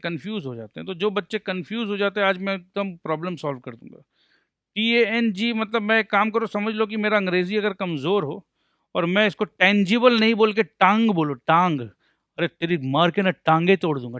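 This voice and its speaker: Joking his way through an accountancy lecture, a man blends Hindi with English and plays the student by answering his own questions. His high-pitched voice is a bit bright. The recorded lecture has studio quality and no echo.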